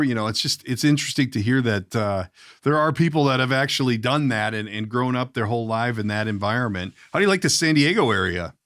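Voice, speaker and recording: A man's voice: mid-range voice, dry recording. Middle-aged male podcast host. Mid-range voice, informal and rambling, recorded dry. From Minnesota. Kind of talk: casual interview chat.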